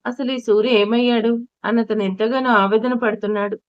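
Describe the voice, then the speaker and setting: A woman storyteller reading an emotional audio story in an expressive way, now and then correcting herself. The audio is dull and lo-fi. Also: a little high, normal speed, no room sound. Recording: dull lo-fi recording.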